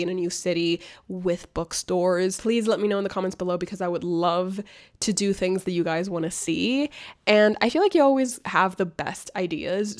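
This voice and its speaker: A young woman vlogging a casual life update, chatty and rambling, her voice nasal and congested from a cold. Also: medium pitch. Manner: chatty, rambling, affectionate, laughs often. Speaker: booktuber vlogger.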